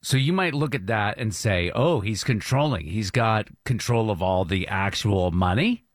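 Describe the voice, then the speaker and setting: A man's voice: lowish voice, expressive, moderate pace, no echo, clean studio sound. A man hosting a morning radio show, reading quiz questions and joking with his co-hosts. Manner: joking, playful.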